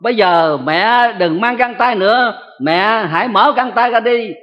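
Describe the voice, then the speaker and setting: A man's voice: sits high, measured pace, voice pushed up. A man voicing a small child who pleads emotionally with its mother, in an echoey hall with dull, lo-fi sound. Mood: pleading.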